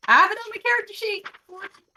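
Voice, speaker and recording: A woman's voice: very high voice, expressive, fast, pushed and bright, a little hiss or hum. A woman talking casually as a player in a tabletop roleplaying game. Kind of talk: casual chat.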